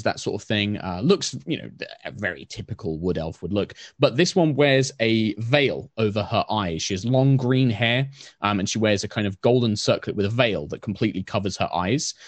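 A man narrating a tabletop game as game master, describing scenes in an unhurried way with frequent fillers. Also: fairly low pitch, dry recording.

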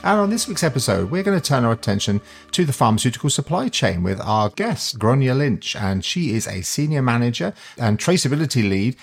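A man's voice: medium pitch, big pitch swings, brisk, creaky, few pauses, soft background music. A man hosting a podcast, introducing his guest in a friendly, upbeat way and leading the interview with frequent fillers. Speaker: podcast host.

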